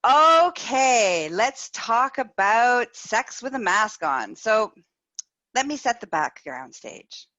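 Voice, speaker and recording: A woman host telling stories in a casual, candid, animated way, with playful emphasis and repetition. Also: a little high, slow pace. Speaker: host of a personal sex-life show. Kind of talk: casual chatty storytelling. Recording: roomy echo, slightly dull sound.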